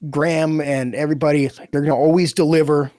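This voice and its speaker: A man's voice: fairly high pitch, flat delivery, fast, mellow, dry recording, studio quality. A man talking in an enthusiastic, informal and effusive way, as one of a podcast team chatting casually. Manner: effusive, informal, full of praise. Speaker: podcast team member and story creator.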